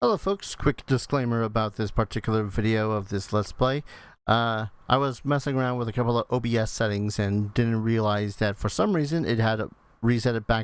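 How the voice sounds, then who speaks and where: A man's an ordinary speaking voice, medium in pitch, fairly quick and fairly even in intonation, on a very clean recording with a silent background. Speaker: let's play gamer. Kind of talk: casual gameplay commentary.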